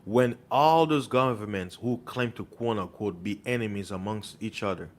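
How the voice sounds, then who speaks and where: A man's voice: lowish voice, moderate pace. A man delivering an impassioned monologue as an online preacher, insistent and full of rhetorical questions, repeating words for emphasis.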